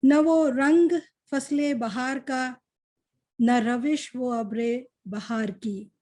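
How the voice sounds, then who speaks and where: A woman with a fairly high, soft-edged mellow voice recites verse at a literary gathering. Her delivery is very slow and measured, with couplets said over again. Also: fairly even intonation. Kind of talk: slow Urdu poetry recitation.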